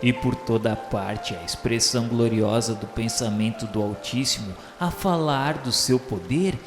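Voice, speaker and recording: A man's voice: mid-range voice, measured pace, lightly acted. A man with a Brazilian accent playing a repentant spirit who narrates a radio novela in a solemn, florid, declamatory way. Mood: reverent, wistful. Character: repentant male spirit solemnly recounting his afterlife rehabilitation. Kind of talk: scripted first-person radio drama narration. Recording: echoey reverberant hall over faint music.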